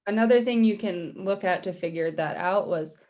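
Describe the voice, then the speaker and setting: A woman in her mid-twenties hosts an interview podcast and explains things from her dietitian work. She sounds friendly and affirming. Her voice sits slightly low for a woman. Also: normal speed, highs cut off. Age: 20s. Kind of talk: interview conversation.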